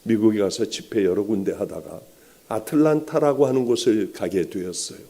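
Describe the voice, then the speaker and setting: An older man preaching a sermon as a pastor, telling a personal testimony with strong emotion and often dropping to hushed, near-whispered words. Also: fairly low pitch, normal speed, gravelly.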